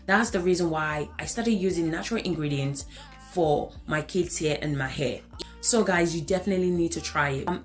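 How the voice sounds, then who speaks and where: A woman in her thirties with an African accent, giving an enthusiastic hair care tutorial voice-over and repeating phrases for emphasis. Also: low-pitched.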